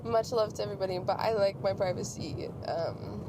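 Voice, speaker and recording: A young woman talks casually to her listeners from inside a moving car. She has a mid-pitched voice and rambles in a chatty, self-deprecating way. Vehicle noise runs clearly behind her as she drives. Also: expressive, a little fast. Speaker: podcast host. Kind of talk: casual solo chat to listeners while driving. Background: vehicle hum.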